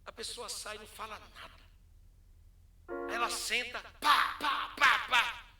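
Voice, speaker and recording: Brazilian pastor, high bright voice, storytelling sermon, echoey hall with music behind. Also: male voice, measured pace. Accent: Brazilian Portuguese. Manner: storytelling, animated, acts out dialogue.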